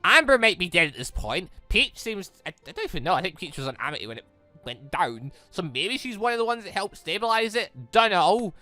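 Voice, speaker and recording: Animated, bright-voiced man doing a let's play. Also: high-pitched, fairly quick, faint music behind. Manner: animated, stumbles while reading and exclaims at the story. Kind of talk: reading visual novel dialogue aloud with excited reactions.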